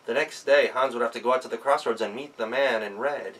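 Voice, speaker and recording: A man with an American accent telling a folktale aloud as a storyteller, with dramatic pauses and repetition. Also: medium pitch, a bit bright, distant mic, rough recording. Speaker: professional storyteller. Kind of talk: animated oral folktale telling.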